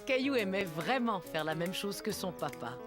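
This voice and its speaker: A woman as the gentle storytelling narrator of a French-language children's cartoon, reading scripted narration. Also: medium pitch, animated, normal speed, over music, lightly acted.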